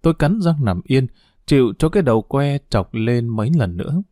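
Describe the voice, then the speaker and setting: A man reading an audiobook as narrator in a steady, somber manner, close to the mic. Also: medium pitch, moderate pace, dry recording.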